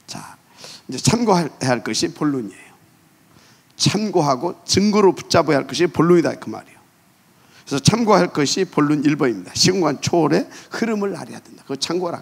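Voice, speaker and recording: Husky high-voiced male preacher. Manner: emphatic preaching with rhetorical questions, trailing off at phrase ends. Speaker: pastor. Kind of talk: sermon.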